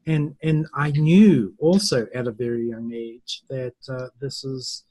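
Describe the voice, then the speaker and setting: Slow, reflective and full of pauses, a middle-aged university English teacher from New Zealand responds to interview questions. He has a warm, medium-pitched voice on a rough recording without echo.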